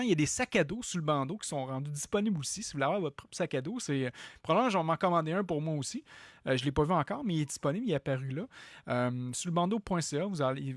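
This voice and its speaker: Québécois male host, fairly high pitch, dry close sound, rambling and hesitant. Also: no echo. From Quebec. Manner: hesitant, many fillers and restarts. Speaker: podcast host. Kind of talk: casual podcast chat.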